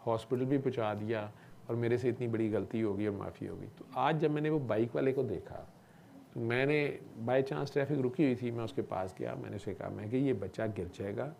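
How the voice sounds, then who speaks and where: Man, mellow low-key voice, casual storytelling, faint background hiss. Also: gravelly. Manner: relaxed conversational, often asks "okay?". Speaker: doctor.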